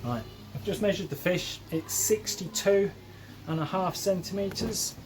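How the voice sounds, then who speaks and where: A man's voice: high voice, a little slow, music in the background. A man vlogging casually in his back garden by a pond, chatty and homely, with plenty of fillers. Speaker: koi keeper vlogger. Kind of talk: casual vlog narration. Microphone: camera mic, moving between handheld and tripod.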